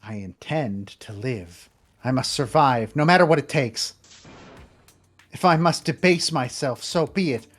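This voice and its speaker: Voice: mid-range voice, a little slow, close to an everyday voice. A streamer voicing a composed young maid, a woman desperate to survive, reading game dialogue with formal, stiff diction. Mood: resolute.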